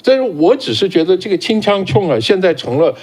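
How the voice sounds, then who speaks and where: Man, political talk show co-host, raised pitch, very lively intonation, restarts his sentences. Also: fairly quick. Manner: animated, repeats words when starting sentences.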